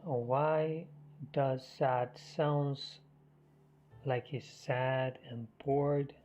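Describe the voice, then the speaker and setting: A man hosting a live trading stream, half losing his voice, talking through the market in a halting, think-aloud way. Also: medium pitch, fairly even intonation, a little mellow. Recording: muffled stream audio with faint music.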